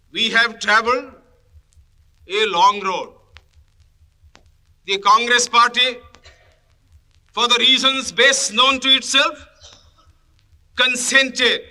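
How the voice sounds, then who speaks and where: A man delivers formal parliamentary oratory in a measured, emphatic manner, broken into short phrases. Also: very high voice, bright, forceful tone.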